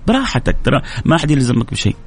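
A man's voice: mid-range voice, very animated, rapid-fire, creaky, slightly rough. A man preaching an emotional sermon, pleading and repeating phrases with stammered restarts.

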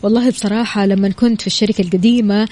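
A woman presenting a morning radio show in an upbeat, expressive, chatty way, talking straight to listeners. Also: mid-range voice, racing. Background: music bed under the voice.

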